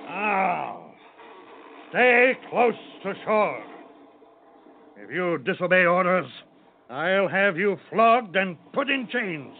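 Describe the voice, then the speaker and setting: A man's voice: high voice, sing-song, slow pace, long pauses, full character voice. A man playing a jeering, blustering ship captain. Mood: mocking. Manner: jeering, barking orders, laughing scornfully. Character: scornful mocking ship captain, gruff and blustering. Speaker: actor in a radio drama. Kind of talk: old-time radio drama acting. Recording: tinny old lo-fi recording with faint hiss.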